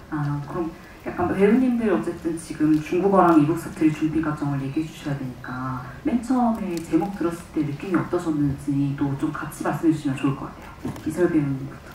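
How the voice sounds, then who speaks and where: A woman moderating a film press conference, asking polite, brisk questions. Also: deep voice, lively intonation, darkish tone, a little hiss or hum. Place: large cinema hall. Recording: echoey hall from far off.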